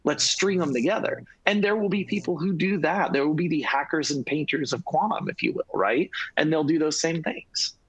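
Energetic man on a video call. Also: on the high side, normal speed, few pauses, slightly rough, dry recording, low-quality recording. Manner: energetic, repeats words, gestures with hands. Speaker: panelist. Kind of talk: fast, enthusiastic panel discussion. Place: home studio room.

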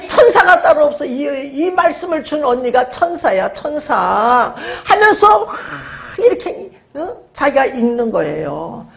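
A middle-aged woman pastor preaching a sermon. She speaks with emphasis and keeps prompting the congregation with quick "eh?" checks. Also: high-pitched, very animated, gravelly.

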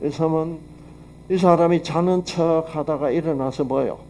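A man's voice: a little high, normal speed, darkish tone, slight background noise. A man giving a lecture with Bible teaching at a health seminar, talking conversationally and putting rhetorical questions to his audience. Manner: acts out quoted dialogue.

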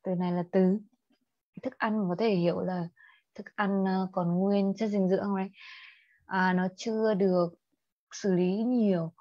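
Slow-speaking Vietnamese-accented woman teacher. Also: mid-range voice, steady tone, no room sound, dull audio. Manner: mixes Vietnamese and English, asks students questions. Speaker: IELTS teacher. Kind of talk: livestream English lesson.

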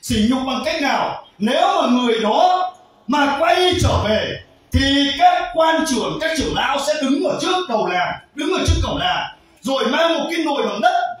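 High, lively male pastor in an echoey hall. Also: normal speed, recorded from a distance. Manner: animated, swings from quiet asides to loud emphatic cries. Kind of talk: sermon. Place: church hall.

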